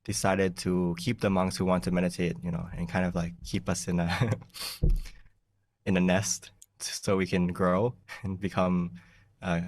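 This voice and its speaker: Young man, monk, grew up in the US, low voice, easygoing, clears throat, desk mic, dry distant sound. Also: dry recording. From United States. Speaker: meditation teacher, monk. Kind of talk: relaxed teaching talk over a video call. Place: small plain room indoors. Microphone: large desk mic in front of him.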